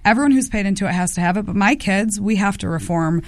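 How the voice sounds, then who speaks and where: A woman's voice: mid-range voice, fast, no room sound. A woman in her thirties, a congressional candidate, answering policy questions in a radio interview with assertive talk. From United States. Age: 30s.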